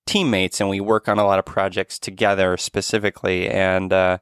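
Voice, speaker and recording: A man hosts a casual podcast chat in an earnest, gentle manner and often restarts his phrases. His voice is smooth and resonant, sitting a little low. The close-miked sound is dry, with no room around it. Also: little pitch movement, brisk, dry recording. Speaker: podcast host.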